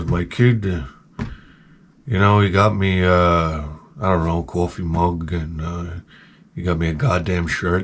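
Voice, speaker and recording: A rumbling, put-on character voice at a fairly slow pace, with fairly even intonation and long, frequent pauses. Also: man, very deep, low pitch for a man. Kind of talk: gruff, casual, swearing. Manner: angry, grumbling.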